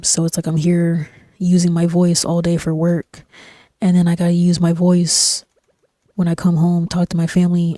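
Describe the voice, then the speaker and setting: A young woman streams and chats in a low, soft-spoken voice that hovers near a whisper. Her tone is mellow and flat. She rambles along relaxed, full of fillers and slang, close on a dry desk mic. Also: dry recording. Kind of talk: casual chat while gaming. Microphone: desk microphone.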